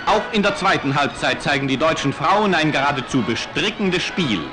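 A man's voice: on the high side, lively intonation, moderate pace. Man announcing an old newsreel over music. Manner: upbeat, rhythmic announcer delivery. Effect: old newsreel playback. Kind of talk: scripted 1950s newsreel narration.

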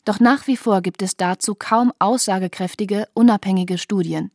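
A woman's voice: medium pitch, moderate pace, no room sound. Woman narrating a documentary, dry. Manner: even, informative. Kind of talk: scripted narration.

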